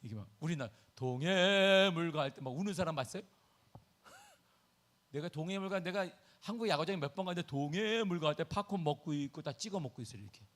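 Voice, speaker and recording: A man preaching a sermon to his congregation, animated, asking them questions and answering himself. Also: fairly high pitch. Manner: sings hymn lines slowly in the middle of talking. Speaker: pastor. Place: church sanctuary.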